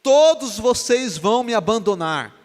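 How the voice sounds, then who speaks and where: A calm, grave teacher speaking slowly and gently, as a male preacher puts him on, a bit lower than the preacher's own voice. The words ring out through a long church reverb. Slow and solemn.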